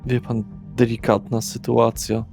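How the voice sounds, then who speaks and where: Man playing a halting, worried father. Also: mid-range voice, monotone, gravelly, a little mellow, soft background music. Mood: guarded. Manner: halting, evasive, hesitant. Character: stressed bearded father anxiously searching for his missing daughter.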